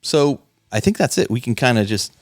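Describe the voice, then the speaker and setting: A man's voice: mid-range voice, expressive, a little fast, no echo. A man co-hosting a casual hobby podcast, talking enthusiastically with frequent laughs and rambling restarts. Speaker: podcast co-host.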